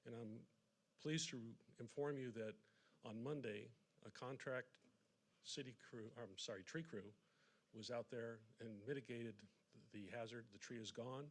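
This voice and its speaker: A man with a mid-pitched voice speaks at a civic meeting. His remarks are plain and formal, delivered in short, deliberate phrases with halting breaks. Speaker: public commenter. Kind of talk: public remarks in a formal but plain register. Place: city council meeting room, at public podium.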